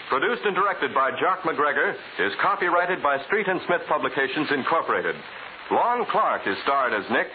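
A man's voice: a little high, a little hiss or hum. A man with an American accent announcing in polished, formal 1940s radio style. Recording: narrow 1940s radio recording. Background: music.

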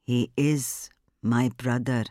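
Audiobook role: woman as gentle older Indian husband, soft-spoken, weary, measured, close dry recording. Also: extremely low pitch, fairly even intonation, no echo. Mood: soft, defensive. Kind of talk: audiobook character dialogue.

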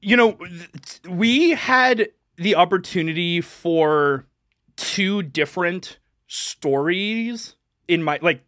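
A woman's voice: on the low side, a bit bright, no room sound, studio quality. A young adult woman co-hosting a casual podcast, rambling and self-deprecating, laughing often. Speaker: podcast co-host. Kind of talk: casual chat.

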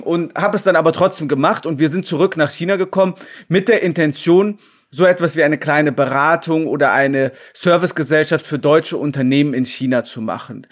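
A man in his thirties, a guest talking casually at home over a video call, hesitant with many restarts. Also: fairly high pitch. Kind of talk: casual remote interview.

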